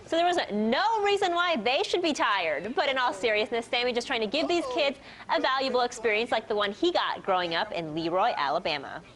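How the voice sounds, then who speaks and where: A woman's voice: on the high side, animated, a little fast, hardly any pauses, fairly bright tone. A woman with an American accent reading scripted sports news as a TV anchor.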